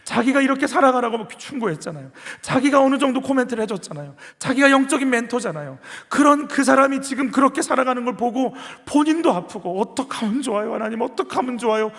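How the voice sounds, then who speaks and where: A male pastor delivers an earnest sermon in a church sanctuary, pressing his listeners with rhetorical questions. His voice sits high for a man. Long reverb from the church hall trails every phrase. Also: animated, fast talker, hardly any pauses, fairly bright tone. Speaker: senior pastor.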